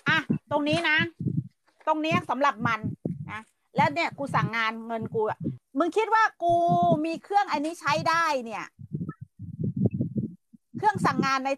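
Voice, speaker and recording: A woman's voice: sits high, very animated, normal speed, long pauses, a bit bright, low-quality recording. A middle-aged woman from Thailand hosting a casual livestream chat, blunt and ranting, swearing freely and stretching her polite endings for emphasis. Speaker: livestream host.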